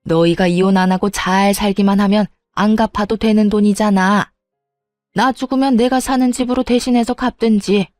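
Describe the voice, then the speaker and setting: A woman's voice: medium pitch, steady tone, moderate pace, darkish tone, no room sound, soft background music, natural voice. A woman voicing a selfish older mother-in-law who dismisses and scolds her son in a storybook reading. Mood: dismissive.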